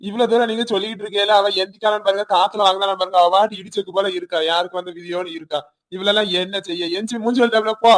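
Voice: medium pitch, steady tone, very fast, natural voice. A performer voicing a surly, dismissive village husband in a cartoon, grumbling in a Tirunelveli accent. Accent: Tirunelveli Tamil. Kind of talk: cartoon voice acting.

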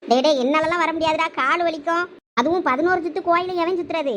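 A woman's voice: very high voice, quick pace, a bit bright, a little hiss or hum. A woman in a village comedy skit, voicing a lazy young male friend who teases his buddy. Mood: teasing. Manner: teasing, joking.

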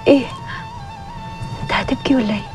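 A woman's voice: very high-pitched, huge pitch swings, fast, heavily acted. An actress playing a calculating village woman, speaking bluntly about marriage. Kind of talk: TV drama acting. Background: music.

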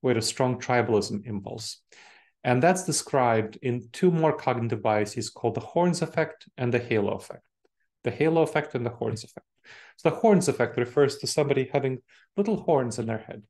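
A man's voice: mid-range voice, expressive, normal speed, a little mellow. A man in his forties with an Eastern European accent, from Moldova, giving an online talk to professionals from a home office with bookshelves, chatty and engaging with a live chat. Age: 40s. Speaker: speaker. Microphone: webcam video call with earbuds.

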